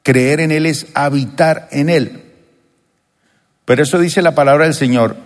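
A male pastor with a slightly high, unhurried voice preaches a sermon with emphasis, putting question after question to his congregation. The church hall gives the recording a long reverb.

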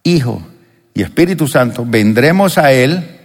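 A man's voice: mid-range voice, expressive, a little slow. A male pastor preaching with emphasis, asking his congregation question after question. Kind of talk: sermon. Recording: long reverb of a church hall.

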